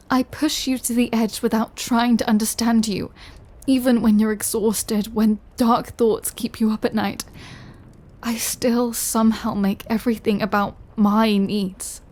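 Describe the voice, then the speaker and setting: A woman playing a remorseful, lovesick female vampire in an intimate audio roleplay, speaking in a hesitant, confessional way that often softens toward a whisper. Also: on the high side, steady tone. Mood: contrite, halting. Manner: hesitant, halting, confessional, with soft breathy drops. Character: remorseful, lovesick female vampire craving her lover's blood.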